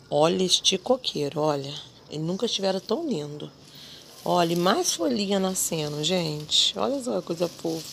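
A woman in her thirties from Brazil, vlogging casually at home on her phone and chatting warmly to her viewers. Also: medium pitch, creaky, slight background noise. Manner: chatty, gushing, addresses viewers as "gente". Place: house porch and kitchen at dusk. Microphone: handheld phone at arm's length.

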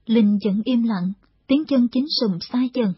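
A woman narrating a war novel in a steady, measured storytelling read, in a dull lo-fi audiobook recording. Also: on the high side, breathy edge, no echo.

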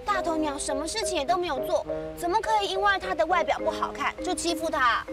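A woman's voice: extremely high pitch, fast talker, recorded from a distance, loud music behind the voice. A young woman presenting a children's show outdoors, discussing a story. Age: young adult. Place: outdoors in a garden.

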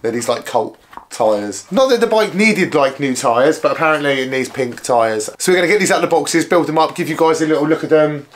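A hoarse man in his thirties chatting casually to camera about bikes in a small living room. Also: a little high, lively intonation, brisk. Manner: chatty, upbeat, full of filler "like"s. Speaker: bike vlogger. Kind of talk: casual vlog chat to camera. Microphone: camera close up.

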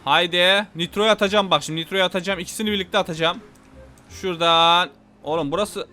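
A man talks through his gameplay in a high, bright voice, jumping to quick exclamations as things happen on screen. Game music plays faintly behind him. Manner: excitable, exclaiming. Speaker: gaming YouTuber. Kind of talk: casual gameplay commentary.

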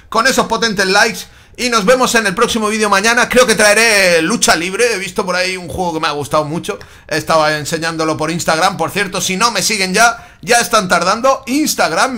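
A young man doing excited, joking gameplay commentary, shouting sound effects as he plays. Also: high-pitched. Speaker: gaming YouTuber.

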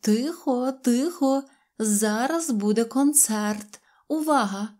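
A woman voicing a bossy little poetess girl who shouts for quiet before her recital. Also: a little high, slow, pitched above the performer's own voice. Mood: commanding. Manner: loud, commanding shouts.

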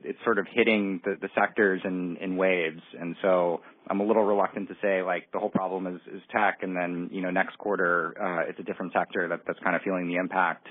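Low-voiced husky man on a phone line. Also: no room sound. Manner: hesitant, hedging. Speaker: company executive on an earnings call. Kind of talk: answering analyst questions. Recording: muffled narrowband phone line.

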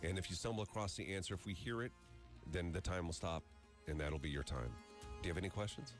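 A man in his thirties with a low voice hosts a morning radio show. He talks casually and explains the game close on a studio mic, over a music bed. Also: fast. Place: small foam-padded radio studio. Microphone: close studio condenser mic.

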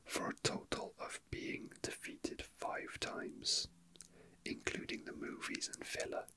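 A young man whispering softly and breathily in an unhurried, halting ASMR murmur, as if casually commenting while his hands are busy. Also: rough recording. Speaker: ASMR video host. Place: indoors at a tabletop.

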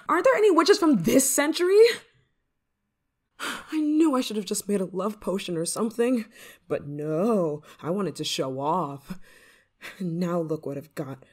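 A woman's voice: on the low side, lively intonation, measured pace, darkish tone, breathy edge. A woman playing a flustered, affectionate novice witch in an ASMR roleplay, speaking in a hesitant, fretful way. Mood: exasperated. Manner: hesitant, stammering, fretful, sighing. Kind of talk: ASMR roleplay monologue to the listener.

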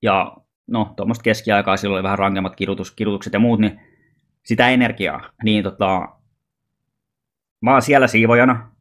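A man's voice: lowish voice, steady tone, pauses often, a bit bright. A man telling a personal story in a loose, rambling vlog monologue, informal and often swearing. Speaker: vlogger.

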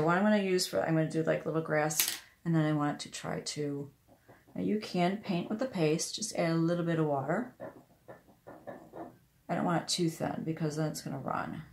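Low-pitched woman casually demonstrating a craft. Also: normal speed, pauses often, a little hiss or hum. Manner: talks herself through each step, murmuring asides. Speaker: craft tutorial host, independent product demonstrator. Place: indoors at a wooden craft table.

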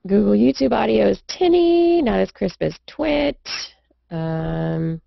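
A woman in her thirties, hoarse from a cold, co-hosting a live science webcast from home and chatting casually, often restarting her sentences. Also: medium pitch, lively intonation, slow, no echo. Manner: chatty, trails off and restarts mid-thought. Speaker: science show co-host. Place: small room at home, indoors. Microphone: desk studio mic, video call. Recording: dull lo-fi webcast audio.

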